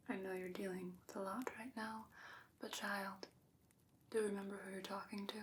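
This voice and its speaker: A woman voicing a wise, gently stern old sorceress in a soft, breathy ASMR fantasy roleplay, speaking in a measured, deliberate way. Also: mid-range voice, slight background noise, lightly acted. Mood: firm, chiding.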